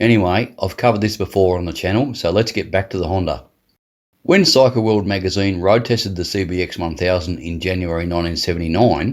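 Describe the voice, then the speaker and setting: A man with a very deep, low pitch speaks at a very fast pace with an Australian accent. His pitch variation is ordinary, and the recording is very clean with a silent background. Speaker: motorcycle history channel host. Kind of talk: scripted narration.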